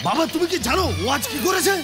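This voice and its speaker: A man's voice: very high voice, lively intonation, fast talker, long reverb tail. An actor dubbing a hot-tempered young man who taunts and threatens his sister and grandmother. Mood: taunting. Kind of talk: dubbed film dialogue. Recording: film soundtrack with loud music.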